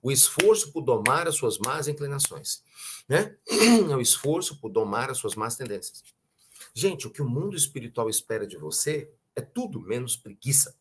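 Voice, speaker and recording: A man with a Brazilian accent giving a conversational spiritual talk, often asking rhetorical questions and clearing his throat. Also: mid-range voice, very animated, moderate pace, a bit bright, slight background noise. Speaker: spiritual teacher.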